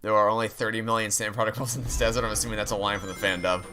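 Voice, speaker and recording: Talking rapid-fire in a lowish, level voice with a sharp tone, this streamer offers casual livestream chat and game commentary. He rambles and slips in dry sarcasm while game music plays.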